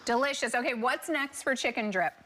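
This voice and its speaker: A woman's voice: high-pitched, fairly quick, fairly bright tone. A young adult woman hosting a lifestyle TV show, chatting with a guest and gushing as she tastes food. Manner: upbeat, gushing reactions while tasting. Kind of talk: lively studio interview and food tasting.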